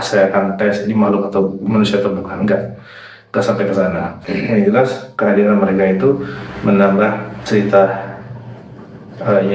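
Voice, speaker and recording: A man casually recounts his own ghost encounter, rambling with fillers and repeated words in a chatty first-person horror story. His voice is on the low side and a little mellow, recorded far from the mic in an echoey room with faint music beneath.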